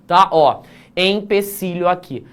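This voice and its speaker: A man teaching an online essay-writing class, joking at his own slips, drawing words out slowly to show how they are pronounced, and checking in with the class often. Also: high-pitched, fairly bright tone, smooth. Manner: playful, self-mocking, frequent "tá?" check-ins; stretches words slowly to demonstrate pronunciation.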